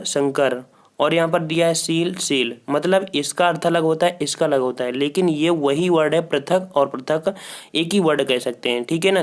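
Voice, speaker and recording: A man walking students through exam questions as a teacher. He repeats each answer and keeps saying "theek hai" as a filler. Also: fairly high pitch. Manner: repeats answers, frequent "ठीक है" fillers, talks to students directly. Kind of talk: Hindi grammar quiz walkthrough.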